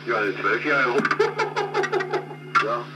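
A man's voice: medium pitch, slow. A man on CB radio, hurling mocking, scornful put-downs at another operator. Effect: heard over CB radio. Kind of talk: hostile radio banter. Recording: loud static CB radio transmission.

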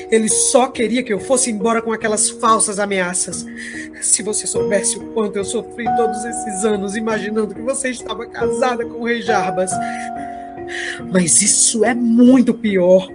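A woman's voice: medium pitch, lightly acted. A woman playing an emotional, pleading Trojan king in an audio drama. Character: Aeneas, anguished heroic Trojan king, adult man. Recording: loud background music.

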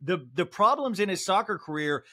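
A man in his forties hosting a casual pop culture podcast over a video call from home, talking animatedly and joking. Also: a little fast. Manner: animated, jokes, mimics celebrities in a high voice. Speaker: podcast host. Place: home room. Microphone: video call with earbuds.

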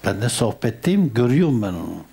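A man, a Sufi sheikh, giving an unhurried religious talk with storytelling that often sinks to a soft murmur. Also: mid-range voice, very animated, gravelly, a little hiss or hum.

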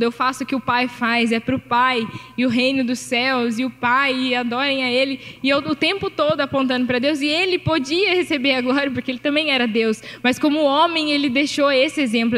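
High-voiced Brazilian woman preaching in reverb. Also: a bit bright. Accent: Brazilian Portuguese. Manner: chatty, conversational preaching with frequent tag questions and laughter. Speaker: pastor. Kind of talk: sermon.

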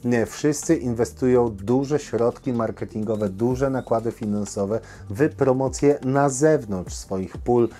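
A man hosting an informal news commentary, speaking directly to viewers in halting, opinionated phrases with pauses. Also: medium pitch, dark tone. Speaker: host of a camping news show.

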